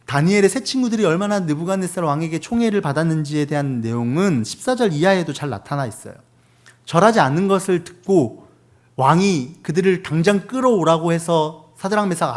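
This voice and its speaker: Korean man preaching, slightly high voice. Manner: conversational preaching with acted quotes and rhetorical questions. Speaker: pastor. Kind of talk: sermon.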